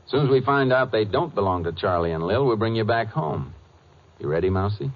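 An American actor playing a shrewd, stern Texas Ranger with a dry, deliberate manner in a 1950s radio drama. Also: male voice, fairly low pitch, animated. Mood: stern, probing. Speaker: lead investigator and narrator. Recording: dull 1950s radio recording.

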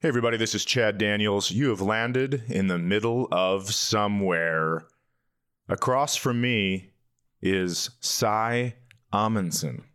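A man's voice: lowish voice, measured pace, fairly bright tone, clear, resonant tone, soft background music. A man hosting a comedy podcast, bantering casually in a playful, joking and crude way. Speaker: podcast host.

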